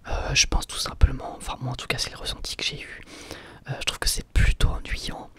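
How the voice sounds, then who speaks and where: A man whispering softly in an ASMR question-and-answer video, pausing often on hesitant fillers. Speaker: ASMR channel host.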